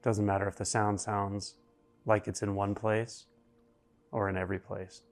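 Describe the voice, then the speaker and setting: A man with a low voice leads a guided meditation over faint music. His delivery is very even, with little melodic movement. He speaks in short, deliberate phrases, leaving long pauses between them.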